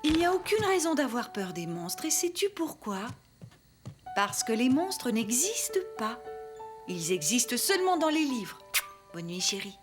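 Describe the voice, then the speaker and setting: A woman's voice: on the high side, sing-song, a little slow, over music. A woman voicing a patient, tender young mother in a children's cartoon, speaking in a reassuring way. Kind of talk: animated children's cartoon voice acting.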